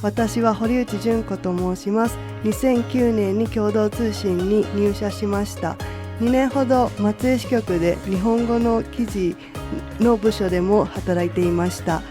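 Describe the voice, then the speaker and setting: A woman's voice: mid-range voice, brisk, music in the background. A woman in her thirties, a journalist hosting a podcast with polite, scripted introductions.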